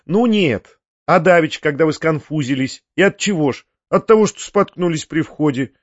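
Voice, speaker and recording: A man's voice: fairly high pitch, animated, moderate pace, no room sound. A male reader voicing an earnest, reproachful young woman who pleads and scolds in rising exclamations. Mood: scolding. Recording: dull, muffled audiobook recording.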